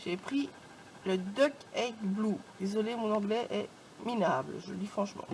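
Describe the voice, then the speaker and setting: A woman's voice: medium pitch, normal speed, darkish tone, a little hiss or hum, low-quality recording. A woman giving a casual craft tutorial for her channel, chatty and informal, stringing her steps together with "donc" and "voilà". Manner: chatty, peppered with "donc" and "hop". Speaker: craft YouTuber.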